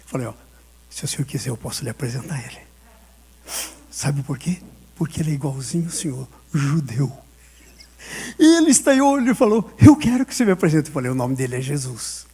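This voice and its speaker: A man's voice: mid-range voice, big pitch swings, a little fast, pauses often, darkish tone. A male pastor preaching a sermon, telling a personal story and acting out the dialogue with frequent laughter.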